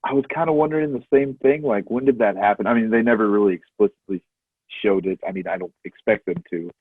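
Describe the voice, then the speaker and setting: A man's voice: on the low side, fast, no room sound. A man co-hosting a movie podcast, laid-back and quoting films in casual chat. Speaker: podcast co-host. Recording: tinny phone-like line.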